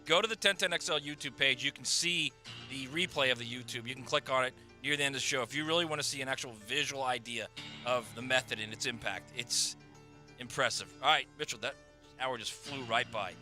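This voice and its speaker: A man co-hosting a radio show, chatting and asking quick follow-up questions. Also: mid-range voice, pushed and bright, faint music behind. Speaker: radio co-host. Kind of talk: casual radio chat. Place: radio studio.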